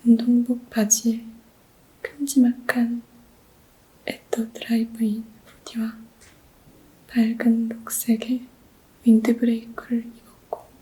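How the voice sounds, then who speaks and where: A soft-spoken woman whispers at a very slow pace, with long, frequent pauses and noticeable background noise. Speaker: ASMR reader. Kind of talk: book reading ASMR, whispered. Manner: whispering, soft.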